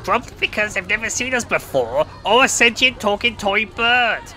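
A man's voice: high voice, expressive, normal speed, bright, forceful tone, soft background music, exaggerated voice. A man voicing a small, loyal talking toy bird in an amateur audio play, earnest and emphatic.

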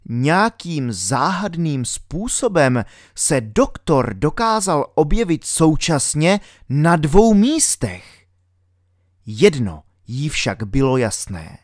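A man narrating a children's storybook with an expressive, lively reading style. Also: mid-range voice, no room sound, clean studio sound. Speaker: audiobook reader.

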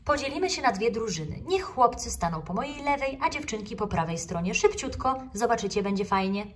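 Brief: cheerful female okapi teacher, chirpy and emphatic, voiced by a woman storyteller, higher than her narration. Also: big pitch swings, brisk, distant mic, slight background noise. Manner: chirpy, sing-song, loud.

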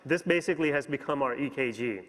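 Man lecturing from a reverberant conference stage. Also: mid-range voice. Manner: brisk, explanatory, frequent "you know" and "okay?" check-ins. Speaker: physician keynote speaker. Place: large conference hall stage. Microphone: lapel mic. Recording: long hall reverb.

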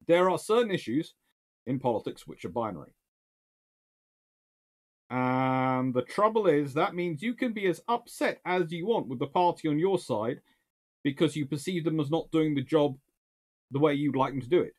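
British guy in his 30s, bit of a higher voice, rambles and restarts a lot, desk webcam. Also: expressive, normal speed, long pauses, darkish tone. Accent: British English. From United Kingdom. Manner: rambling, with many restarts and emphatic gestures. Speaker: naval historian answering viewer questions. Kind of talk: casual explanatory talk. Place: small study lined with bookshelves, indoors. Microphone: webcam-style framing at desk.

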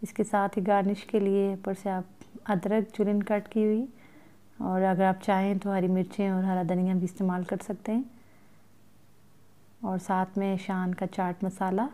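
A woman cooking in her home kitchen, calmly explaining each step of a recipe to her viewers as she stirs at the stove. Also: medium pitch. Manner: calm, instructive, addresses viewers directly. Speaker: cooking vlogger.

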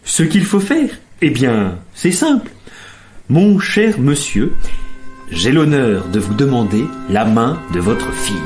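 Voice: medium pitch, very animated, slow, darkish tone, faint music behind. A performer voicing a charming, courteous young male doctor in a radio story.

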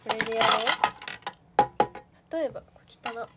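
A woman's voice: a little high, brisk, loud music behind the voice. A young woman, an idol trainee, chatting casually on a livestream, reading out viewer comments. She is talkative and giggly and uses a lot of fillers.

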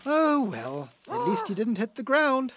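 An expressive narrator telling a children's cartoon story, reacting to the action with exclamations and questions. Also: mid-range voice, a little slow, background noise. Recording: music behind the voice. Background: cartoon music.

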